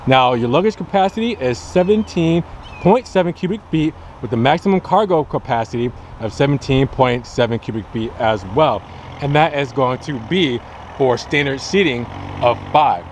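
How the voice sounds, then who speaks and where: A man's voice: mid-range voice, lively intonation, moderate pace. A young man hosting a casual car review on a dealership lot, chatty and upbeat, talking straight to his viewers. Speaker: car reviewer, channel host. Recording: faint outdoor noise. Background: light wind and outdoor ambience.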